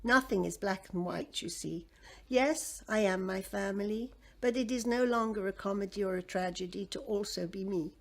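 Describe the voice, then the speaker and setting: A woman from Egypt reciting her own poem in a dramatic way, with wide swings in pitch and loudness. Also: normal speed.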